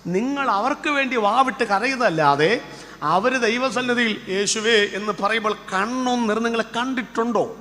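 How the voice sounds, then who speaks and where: An older man preaches, his voice high and bright. He pushes his listeners with rapid rhetorical questions and fervent urging. A long reverb trails each phrase through the church hall. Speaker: pastor. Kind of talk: sermon.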